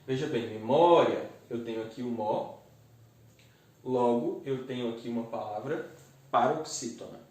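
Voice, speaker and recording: A man's voice: medium pitch, a little mellow. Echoey, distant man teaching. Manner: methodical, spells out syllables slowly. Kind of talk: explaining grammar exercises. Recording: very echoey room, distant mic.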